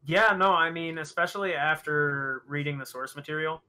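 A man's voice: fairly high pitch, moderate pace, bright, forceful tone. A man chatting casually and informally as a co-host discussing a film, swearing freely. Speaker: podcast co-host reviewing a horror film. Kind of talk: casual chat.

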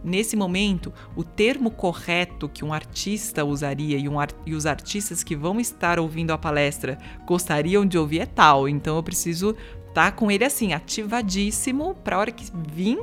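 A woman who works as an interpreter, talking casually in an interview and explaining her work with many examples and fillers. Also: fairly low pitch. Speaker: interpreter, guest.

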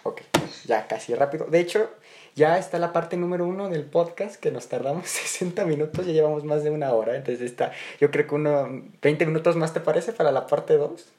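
A man's voice: on the high side, brisk, mellow. A man with a Mexico City accent hosting a podcast, rambling and joking, often losing his train of thought. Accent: Mexico City Spanish. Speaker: podcast host. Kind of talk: casual chat.

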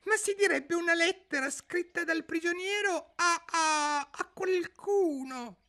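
A man voicing a jittery male white rabbit herald in a very high, squeaky falsetto, in a storybook reading. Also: slow, sharp tone, exaggerated voice. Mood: fussy.

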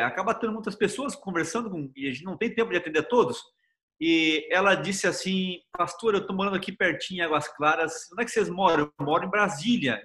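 Brazilian man, Bahian accent, devotional pastor, high tenor, clear ringing tone. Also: a bit bright. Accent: Bahian Portuguese. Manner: storytelling, earnest, personal anecdotes. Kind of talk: devotional sermon.

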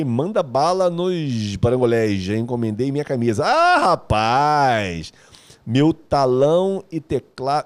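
Male live-stream host, slightly high and very animated voice, slangy and joking with the chat. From Rio de Janeiro, Brazil. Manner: energetic, slangy, joking, calls viewers "meu brother". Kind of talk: casual live-stream chat reading viewer comments.

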